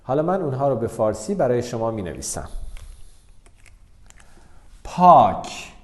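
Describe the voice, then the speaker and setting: A man teaching the Persian script in a video lesson, dictating words slowly and drawing them out between quicker instructions. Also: medium pitch, wildly swooping pitch, dark tone. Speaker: language teacher. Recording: roomy echo.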